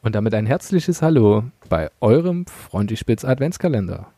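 A man's voice: fairly low pitch, very animated, normal speed, loud music behind the voice. A man hosting a casual podcast with two friends, teasing and chatty as he moderates. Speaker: podcast host.

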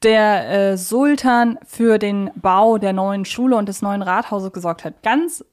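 A podcast host discusses an audio drama series in a casual, chatty, rambling way, often correcting herself mid-thought. Her voice is medium-pitched and unhurried.

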